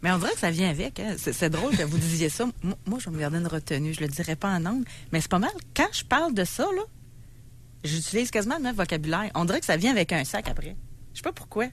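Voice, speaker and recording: Talking at a very fast pace with lively intonation, a woman uses a fairly low pitch amid noticeable background noise. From Quebec. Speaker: radio co-host. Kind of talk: radio talk show discussion.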